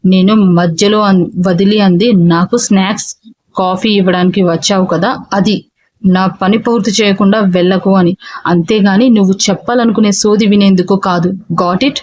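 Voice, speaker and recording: A woman putting on a stern, cold male boss in a storybook, low and clipped. He snaps out commands with flat dismissiveness. The audio is dull and lo-fi. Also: a little slow. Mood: cold, dismissive.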